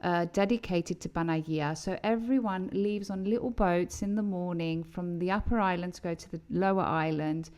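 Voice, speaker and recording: A woman's voice: on the low side, moderate pace, few pauses, darkish tone, highs cut off. A woman co-hosting a travel podcast in casual chat, talking freely with restarts and repeated words. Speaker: podcast co-host.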